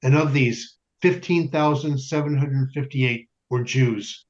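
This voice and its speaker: An actor playing a stern yet tender, grieving Jewish father in a wartime ghetto, speaking in solemn, deliberate stage monologue with weighty pauses. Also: medium pitch, a little mellow, natural voice. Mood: solemn, bitter. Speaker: stage actor in community theater. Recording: dull lo-fi recording, music underneath.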